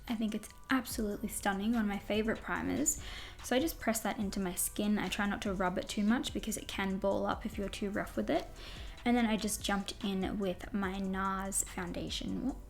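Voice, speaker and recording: A woman in her twenties with a husky voice, chatting casually and rambling cheerfully as a beauty vlogger in a small white room at home. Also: mid-range voice, a little mellow, reverberant. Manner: bubbly, rambling, self-mocking with laughs. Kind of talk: casual chatty makeup tutorial.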